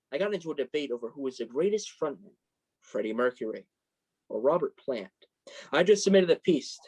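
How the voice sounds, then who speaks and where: A woman's voice: sits low, darkish tone, poor audio. A woman playing a supportive, self-deprecating young male journalist and best friend in a staged reading of a play.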